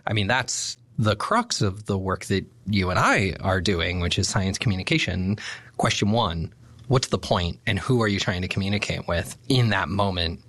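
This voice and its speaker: A man's voice: sits low, animated, moderate pace, a bit bright, dry recording. A man hosting a podcast, explaining his thoughts in a thoughtful, discursive way. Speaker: podcast host. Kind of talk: casual discussion.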